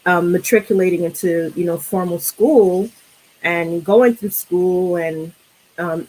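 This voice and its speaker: A woman with a New York accent, a guest on a film discussion, speaking reflectively with many pauses and restarts. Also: fairly low pitch, poor audio.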